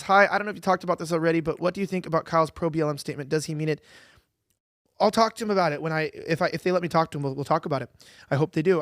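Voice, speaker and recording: Quick-talking high-voiced young man. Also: no echo, clean studio sound. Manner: rambling, self-correcting. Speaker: show host reading viewer comments. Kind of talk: casual chat.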